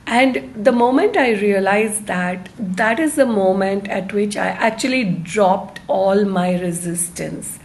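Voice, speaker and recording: A woman hosting a live online self-help talk, speaking to her viewers in a halting, deliberate way with stressed phrases. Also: medium pitch. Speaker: host of a live-streamed self-help series.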